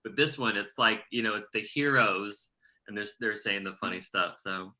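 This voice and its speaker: A man's voice: on the low side, moderate pace, sharp tone. A man chatting casually as a participant in a script table read. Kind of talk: casual chat.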